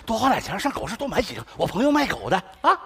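A man's voice: high-pitched, huge pitch swings, quick pace, creaky, pushed and bright. A man in a stage comedy sketch, sly and stammering, wheedling his way along. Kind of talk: northeastern comic sketch. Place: stage before a live audience. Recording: noisy stage recording.

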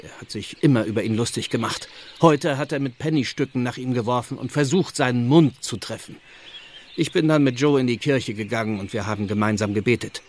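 Guy acting serious pious village vicar, audio drama, average pitch, solemn, bit of background noise. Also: natural voice. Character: grave, devout Anglican reverend, secretive and solemn. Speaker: actor in a radio play.

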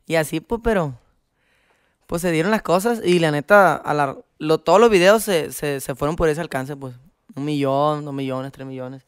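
A man's voice: a little high, moderate pace, smooth. A man, a band member chatting casually on a podcast in slangy, laid-back talk. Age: 20s. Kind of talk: casual chat.

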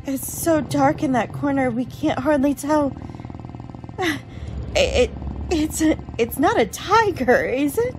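A woman playing a chatty, brisk college girl in a radio horror drama. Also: high-pitched, expressive, background noise. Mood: alarmed. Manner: chatty, colloquial.

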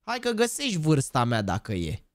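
Twenty-something dude streaming, super hyped and jokey, yelling catchphrases, pitch bouncing everywhere. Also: male voice, huge pitch swings, no echo, studio quality. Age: 20s. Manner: hyper, joking, bursts into shouted catchphrases. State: over-excited. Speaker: gaming streamer. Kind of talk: live stream chat.

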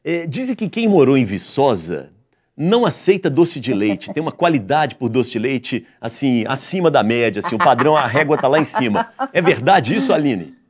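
Male TV host, 40s, husky, animated, jokey studio banter. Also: mid-range voice, moderate pace. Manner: jokey, playful, lively. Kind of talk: casual TV talk show.

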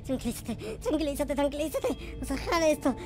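A very high, whiny voice of a naive noob boy, put on by a man for a video game roleplay. He is panicky and exclamatory, repeating his words frantically as he reacts to a zombie apocalypse world. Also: expressive, quick pace, over music. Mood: worried, muttering. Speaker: gameplay video creator. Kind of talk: improvised Minecraft roleplay commentary.

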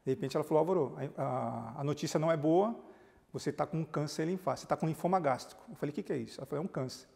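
This pastor's testimony, told in a TV interview, rushes out very fast in a fairly high voice with vocal fry, echoing as if in a large hall. He tells it as lively storytelling, acting out the dialogue he quotes.

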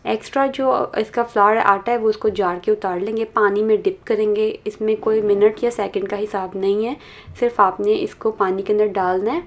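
A woman's voice: mid-range voice, steady tone, moderate pace. A woman hosting a cooking channel, talking through a recipe step by step in a patient, instructive voice-over. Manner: instructive, repeats steps patiently.

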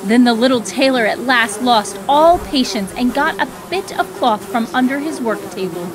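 High-voiced woman narrating a storybook. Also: expressive, normal speed, crowd noise. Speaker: host and narrator.

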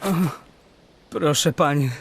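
A man playing a reckless young man in an animated Bible story, down on his luck. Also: on the high side, takes it slowly, creaky, slight background noise, full character voice. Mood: pleading. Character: reckless young man, broke, hungry and pleading.

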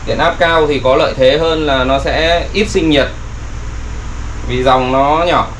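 A man from Vietnam explaining his homemade battery build in a casual how-to vlog, relaxed and unhurried with frequent fillers. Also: a little high, poor audio. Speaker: DIY vlogger. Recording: noticeable background noise.

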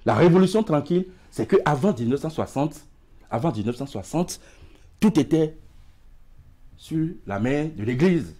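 Pausing often at a moderate pace, this middle-aged studio guest speaks in a fairly high, animated, mellow voice with a West African French accent. He is an emigration expert in a TV interview, wearing a lapel mic, and he gestures broadly while tripping over repeated words.

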